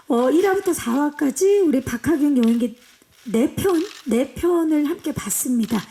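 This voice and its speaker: A woman emcees a press screening in an upbeat, guiding manner. She cues guests through their photo poses and introduces each one in turn. Her voice sits high but has a mellow, soft tone. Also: slight background noise. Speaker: event host.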